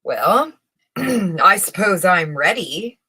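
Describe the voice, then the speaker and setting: Woman putting on a pompous, bright-voiced vain emperor. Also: lowish voice, very animated, very slow, husky, full character voice. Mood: preening, hesitant. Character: vain, self-conscious male emperor keeping up appearances.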